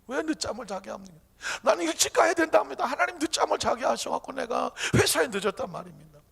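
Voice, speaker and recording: A man's voice: extremely high pitch, brisk, fairly bright tone, voice pushed up, full character voice. A pastor acting out a frustrated Christian man who is complaining to God about his day. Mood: aggrieved. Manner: indignant, whiny protesting. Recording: long reverb of a church hall.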